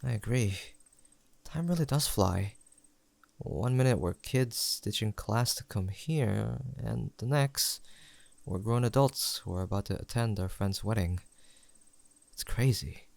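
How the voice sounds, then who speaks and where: A young man playing a sentimental, teasing longtime best friend in an intimate audio roleplay, pausing for an unheard listener. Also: fairly low pitch, animated, vocal fry, no echo. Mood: nostalgic, fond. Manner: soft-hearted, playful banter with pauses for an unheard listener.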